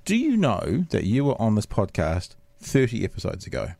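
A podcast host in a studio, talking casually and rambling a little, with a deeper morning radio voice. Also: male voice, wildly swooping pitch, moderate pace, vocal fry, warm tone, dry recording. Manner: chatty, rambling and self-deprecating. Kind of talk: casual interview chat. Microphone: studio mic.

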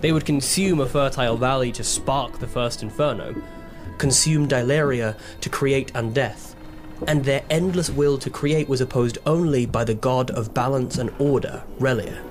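A man's voice: medium pitch, moderate pace. Thoughtful man playing a tabletop game over music. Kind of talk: improvised tabletop roleplay, describing his character's actions.

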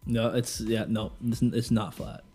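A man chatting casually and jokily in a laid-back, bro-like way, with hesitant pauses. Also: on the low side, fairly even intonation, mellow, slightly rough, soft background music. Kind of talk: casual joking podcast chat.

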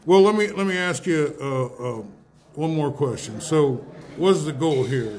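Joking, higher-voiced American man hosting. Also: darkish tone. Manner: joking, chatty, halting. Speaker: radio host and interviewer. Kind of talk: casual live on-site radio interview. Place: public venue used for a live broadcast.

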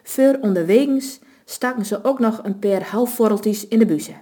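Mellow-voiced woman reading a story. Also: medium pitch, moderate pace. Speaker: narrator.

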